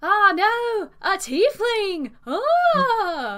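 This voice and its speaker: Using a put-on character voice, a woman pitches it extremely high. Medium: actual play.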